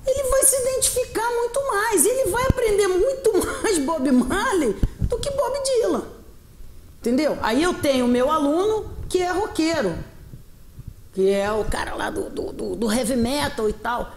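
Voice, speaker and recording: A woman's voice: very high voice, moderate pace, reverberant, slight background noise. A middle-aged woman with a Carioca Brazilian accent, an English teacher chatting as a guest and acting out dialogue with laughs. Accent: Carioca Brazilian Portuguese. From Rio de Janeiro, Brazil. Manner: expressive, acts out quoted dialogue, laughs often. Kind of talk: animated interview chat.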